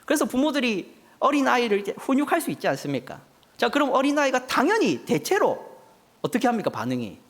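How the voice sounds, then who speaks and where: A man's voice: extremely high pitch, wildly swooping pitch, brisk, a bit bright, long reverb tail. A man preaching a sermon, asking the congregation rhetorical questions and acting out a child crying for his parents.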